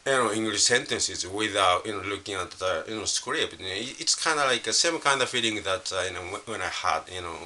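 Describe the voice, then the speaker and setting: A middle-aged man from Japan with a Japanese accent, a native Japanese speaker, talking casually and unscripted to camera in a halting, repetitive way full of filler phrases. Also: lowish voice, animated, pushed and bright. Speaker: language learner vlogger. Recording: hissy recording with faint background noise.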